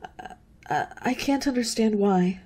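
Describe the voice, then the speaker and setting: A young woman playing a frightened, pleading college girl in a suspense radio play, with halting, repetitive delivery. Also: medium pitch, mellow, breathy edge. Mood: uneasy, fearful. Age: young adult. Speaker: radio drama actor.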